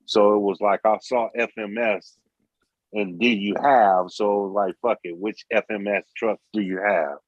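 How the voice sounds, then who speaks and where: A blunt, drawling man from the United States with a fairly low voice, chatting casually. The sound is dry and close, but dull and lo-fi. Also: fairly even intonation, moderate pace, dry recording. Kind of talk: casual chat. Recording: dry, muffled lo-fi call audio.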